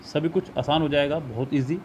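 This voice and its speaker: A man with an Indian accent, a Hindi speaker, tutoring for an English exam over a screen recording, patiently explaining and reading English sentences slowly. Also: on the high side, steady tone, a little mellow, slight background noise. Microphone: screen recorder mic.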